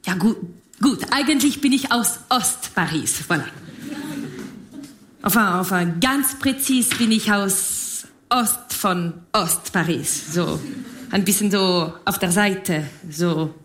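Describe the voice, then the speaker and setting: A woman voicing a playful mock-Parisian woman clown with a French accent, teasing and coaxing in a drawn-out way. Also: medium pitch, lively intonation, fairly bright tone, slight background noise. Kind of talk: comedy stage sketch.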